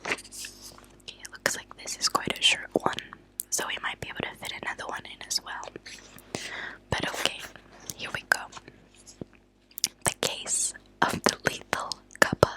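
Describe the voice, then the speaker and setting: A woman hosting ASMR, speaking in a soft, breathy, unvoiced whisper with a hushed, deliberate delivery and pauses. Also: low-quality recording. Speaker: ASMR channel host. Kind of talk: whispered ASMR true-crime reading. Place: at a desk indoors.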